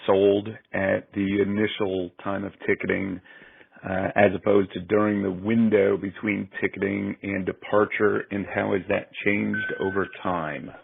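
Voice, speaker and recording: Gravelly, flat-toned man on a phone line. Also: fairly low pitch. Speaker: financial analyst asking questions. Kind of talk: concise earnings call questioning. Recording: narrow tinny phone line.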